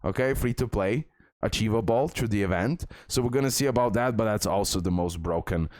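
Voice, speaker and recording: A man's voice: fairly low pitch, brisk, a little mellow, no room sound. A man presenting a game guide as a video host, repeating key points for emphasis. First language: not English.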